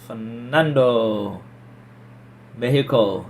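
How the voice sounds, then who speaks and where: A man's voice: mid-range voice, drawn-out words, gravelly, reverberant, far from the mic. A man from Wales hosting a casual team video call, chatty and upbeat, guiding people around. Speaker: host.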